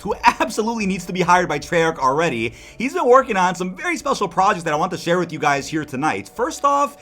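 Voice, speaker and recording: Animated, quick-talking man hosting gaming news. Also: on the high side. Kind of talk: scripted-sounding gaming news commentary to camera audience.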